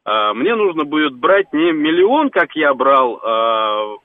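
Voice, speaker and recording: Male radio caller, tinny phone line, halting, searches for words, dry sound. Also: mid-range voice, big pitch swings, dry recording. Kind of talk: phone call to a radio show.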